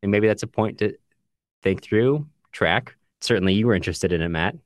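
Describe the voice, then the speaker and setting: Low-voiced man co-hosting a podcast. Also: normal speed, no echo. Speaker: podcast co-host. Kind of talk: casual book discussion podcast, reading listener comments.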